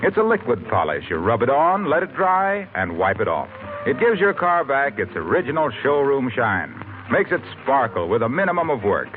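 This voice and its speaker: A man as a 1940s radio announcer with a brisk, salesy delivery. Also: mid-range voice, huge pitch swings, noisy background. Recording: tinny old radio with faint music.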